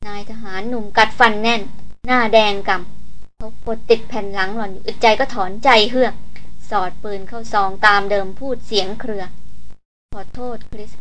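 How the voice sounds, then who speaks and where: A woman reading a novel aloud as an audiobook narrator, in an even, measured storytelling manner. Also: mid-range voice, slight background noise.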